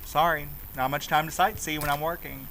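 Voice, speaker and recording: A man's voice: on the high side, fairly even intonation, a little fast, pushed and bright, slight background noise. A man playing a reluctant, curious mail carrier in an audio drama, talking in a hesitant, casually sardonic way. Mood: wry, defensive.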